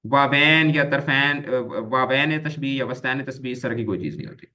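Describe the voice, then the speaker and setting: A man's voice: medium pitch, moderate pace, sharp tone. A man teaching an online grammar lecture, explaining patiently, repeating key terms and mixing English words into his explanations.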